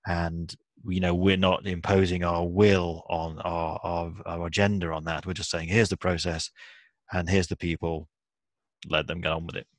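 A very deep-voiced man speaks calmly on a video call, carefully mirroring what he has heard. The sound is dry and close, with no room around it. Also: normal speed, no echo. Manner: calm, reflective paraphrasing. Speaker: listener reflecting back in an empathy circle. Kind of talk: casual video call discussion.

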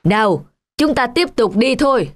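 A woman's voice: a little high, big pitch swings, normal speed, a little hiss or hum. A woman voicing a stern, commanding tribal king in a cartoon folktale, speaking in an imperious, declamatory way. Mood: authoritative, questioning.

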